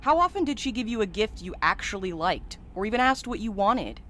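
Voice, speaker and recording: A woman's voice: medium pitch, very animated, fairly quick, fairly bright tone, slight background noise. An actress playing a blunt, sardonic, jaded woman courier in a naturalistic audio drama. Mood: heated, critical. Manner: sardonic, hard-edged and blunt.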